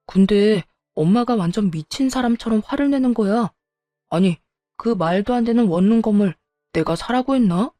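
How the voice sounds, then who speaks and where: A woman's voice: mid-range voice, normal speed, mellow, no echo, studio quality, faint music behind, lightly acted. A woman voicing a self-pitying ex-husband who pleads, then turns petulant and defensive. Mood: complaining. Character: whiny self-pitying ex-husband, grown man.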